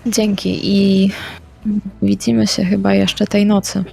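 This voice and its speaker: A woman speaking in character in a tabletop roleplaying game, calm and brief. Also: medium pitch, takes it slowly, vocal fry, soft background music. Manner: calm, short replies with spoken actions. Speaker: player.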